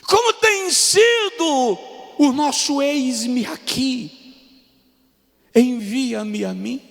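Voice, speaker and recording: A Brazilian man with a Brazilian Portuguese accent preaching a sermon as a pastor. He tells personal stories and swings between hushed appeals and shouted peaks. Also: extremely high pitch, extremely slow, vocal fry. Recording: long reverb with music underneath. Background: soft music.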